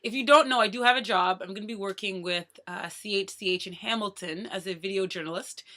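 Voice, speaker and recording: A woman in her thirties chatting casually to her viewers in a playful way, talking very fast. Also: mid-range voice, pushed and bright. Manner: talks very fast. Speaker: vlogger. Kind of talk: casual chat to camera.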